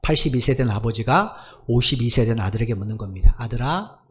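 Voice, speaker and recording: 남자 목사의 힘주어 말하는 주일 설교. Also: male voice, mid-range voice, fast, a little hiss or hum. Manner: emphatic, asks the congregation rhetorical questions. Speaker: pastor. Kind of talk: Sunday sermon.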